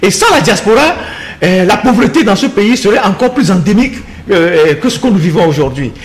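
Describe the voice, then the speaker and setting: A man argues on a political panel. His voice sits high and swings widely in pitch. He sounds indignant and insistent, stumbling over repeated words as he presses on. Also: animated, a little fast. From Togo. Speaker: political commentator. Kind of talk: heated panel debate.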